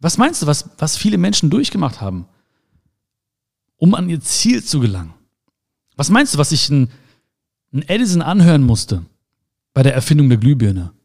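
A man's voice: fairly high pitch, sing-song, moderate pace, gravelly, long pauses, a little mellow. A man giving a motivational talk in an emphatic way, repeating his key phrases. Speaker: motivational speaker.

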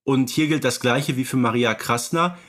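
A man podcast co-host with a medium-pitched voice packs his casual talk with detailed facts, sprinkling in filler sounds as he goes. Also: moderate pace, a bit bright. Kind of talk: casual fan-expert chat.

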